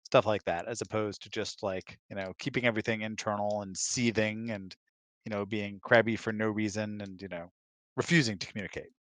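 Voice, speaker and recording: Male guest, lowish pitch, casual conversational delivery, dry recording. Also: fairly even intonation, a little fast, no room sound. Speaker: guest answering questions alongside his wife. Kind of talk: casual chat.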